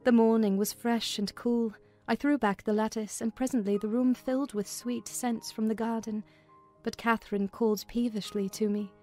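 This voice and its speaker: A woman's voice: on the high side, fairly even intonation, normal speed, mellow. A woman reading literary narration as a dramatized audiobook. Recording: music behind the voice.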